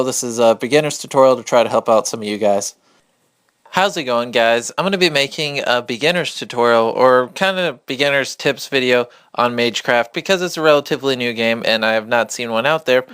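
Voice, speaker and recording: A man giving a casual, off-the-cuff game tutorial, speaking quietly but clearly, close to a phone mic. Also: mid-range voice, dry recording. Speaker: gamer hosting a beginner's tutorial. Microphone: phone held a couple of inches from the mouth.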